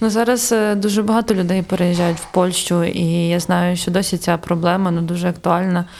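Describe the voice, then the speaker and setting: A woman's fairly low voice at a fairly quick pace with fairly even intonation, against noticeable background noise. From Ukraine, Kyiv region. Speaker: podcast host. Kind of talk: casual interview. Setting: cafe.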